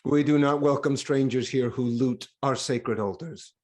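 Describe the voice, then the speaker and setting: A man's voice: medium pitch, fairly even intonation, measured pace, darkish tone, natural voice. An actor playing a proud, commanding king in a Greek tragedy reading, speaking with stern, declamatory authority. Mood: stern challenge. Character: proud, commanding king defending suppliants of his city. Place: online video-call reading.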